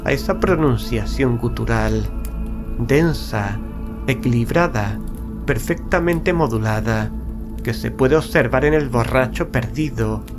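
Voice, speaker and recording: A man narrating a Gothic horror tale in a solemn, measured, literary style. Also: medium pitch. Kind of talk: scripted horror audiobook narration. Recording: prominent music bed under narration. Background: music.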